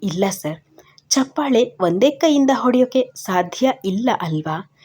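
A woman voicing a shy, hurt young woman who answers in hushed, half-whispered tones in an audio story. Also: fairly high pitch, expressive, unhurried, slightly rough. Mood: hushed sad.

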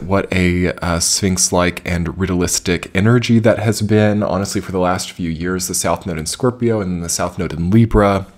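A man with a very deep voice talks through a monthly astrology forecast in a loose, rambling way. His voice is a little scratchy from a winter cold, and he often pauses with ums and uhs. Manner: rambling, filler-heavy, reflective. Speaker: astrology reader. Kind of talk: casual monthly forecast talk.

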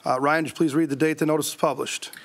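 A man chairing a city council meeting as mayor, reading agenda items in a brisk, procedural way at a desk microphone in a council chamber. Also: fairly high pitch, steady tone.

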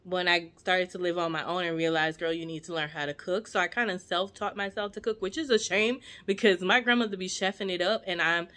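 A woman's voice: lowish voice, fairly quick, few pauses, a bit bright. A woman in her forties, born in Jamaica and raised in the United States, chatting at home to the camera in a rambling, playful way with asides to her viewers. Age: 40s. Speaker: vlogger. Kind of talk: casual chat to camera. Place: living room at home. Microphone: camera at arm's length.

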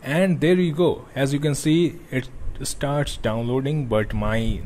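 A young man who is not a native English speaker, talking through a computer tutorial with grammar slips and frequent pauses. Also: medium pitch, a little mellow. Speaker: tech tutorial host. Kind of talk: screen-recorded tutorial.

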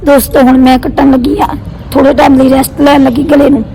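A young woman chatting casually for a vlog, teasing and complaining through a hoarse, strained sore throat. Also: sits high, little pitch movement, fairly quick, dark tone, slight background noise. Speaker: family vlogger. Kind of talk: casual vlog banter with partner.

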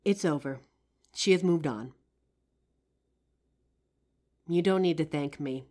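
A woman playing a kind, playful psychic who gently helps a ghost in an audio roleplay. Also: low voice, normal speed, lightly acted. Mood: quiet, wistful. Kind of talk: audio roleplay addressed to the listener.

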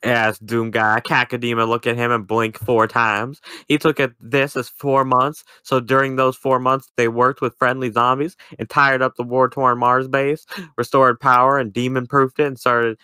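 Male podcast reader, deadpan narration, bright crisp voice, dry sound. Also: mid-range voice, normal speed, dry recording. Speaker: podcast co-host reading aloud. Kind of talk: comedic reading of fan fiction.

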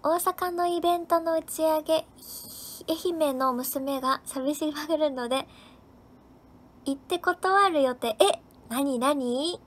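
This livestream host speaks slowly in a high voice, keeping things casual. She reads viewers' comments aloud with cheer and gives each of them a thanks by name.

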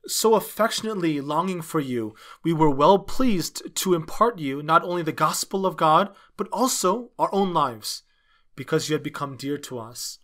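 Male sermon interpreter, slightly high-pitched, halting phrase-by-phrase preaching delivery. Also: expressive, a bit bright. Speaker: interpreter dubbing a pastor's sermon.

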